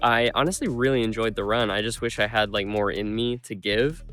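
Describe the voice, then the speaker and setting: A man's voice: on the low side, brisk, fairly bright tone, soft background music. A man with a stuffed-up, congested nose giving a casual vlog recap of a run, rambling with lots of ums and likes. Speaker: running vlogger.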